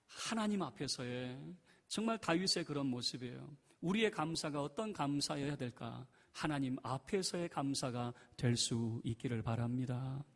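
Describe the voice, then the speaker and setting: A male pastor delivering a sermon in a church, asking the congregation rhetorical questions and building to loud emphatic passages. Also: medium pitch, lively intonation, measured pace, long reverb tail. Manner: rising to loud emphatic preaching. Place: church sanctuary.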